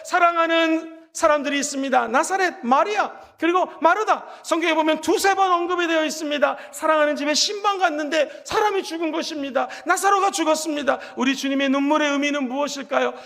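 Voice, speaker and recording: A man's voice: very high-pitched, brisk, vocal fry, hardly any pauses, fairly bright tone. A man preaching a sermon as pastor, with impassioned delivery that rises into calls of blessing. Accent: Korean. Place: church sanctuary. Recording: echoey church hall.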